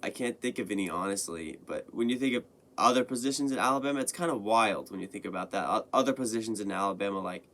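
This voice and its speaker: A young man hosting his own sports podcast, talking casually and rambling with lots of fillers and restarts, his voice a little hoarse after being sick. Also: lowish voice, fast, fairly bright tone. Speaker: podcast host. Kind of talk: casual sports commentary monologue.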